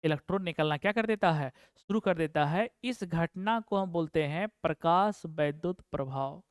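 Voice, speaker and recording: Guy teaching physics, asks then answers his own questions, smooth clear voice, dry sound. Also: on the high side, no room sound. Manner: repeats key terms slowly for dictation. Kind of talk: exam-prep physics lesson.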